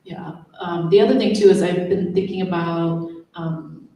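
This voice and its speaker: A woman poet whose first language is Vietnamese, thinking aloud on a panel with many pauses and ums. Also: fairly low pitch, fairly even intonation, mellow. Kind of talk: live panel discussion. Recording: echoey hall, mic from far off.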